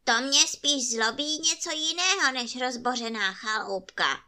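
A woman voicing a grumpy, prickly little male forest imp with a squeaky voice, in bedtime storytelling. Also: bright, forceful tone. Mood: grumbling. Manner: cross, scolding.

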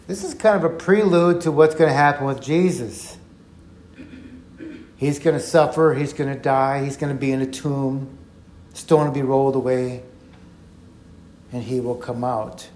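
A man teaching through a Bible passage on a podcast, telling it in an earnest, reflective way and slowing down for emphasis. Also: mid-range voice, steady tone, darkish tone, a little hiss or hum. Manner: earnest, reflective storytelling with slow emphatic quotes. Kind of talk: podcast Bible study talk. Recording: echoey room.

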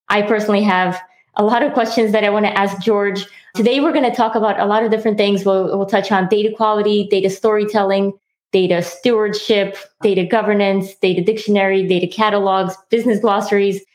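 Upbeat woman hosting, in an echoey room. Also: mid-range voice. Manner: upbeat, chatty, laughs often. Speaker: host. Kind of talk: live show, casual chat.

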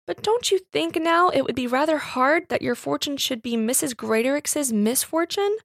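A woman's voice: high-pitched, normal speed, gravelly, a bit bright, no room sound, voice pushed up. Storybook master, read by a woman: amused, formal, reasoning, mildly condescending, recorded dry. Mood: amused, surprised. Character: genteel, amused Victorian master of the house.

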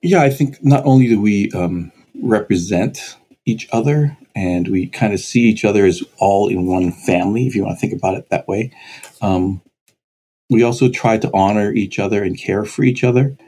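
Man, pastor, deep voice, mellow tone, heartfelt, halting. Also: husky. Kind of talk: conversation on a podcast.

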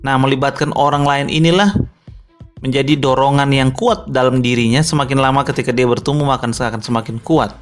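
A man giving a reflective sermon-style teaching, thinking aloud with fillers and rhetorical questions. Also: a little high. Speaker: preacher.

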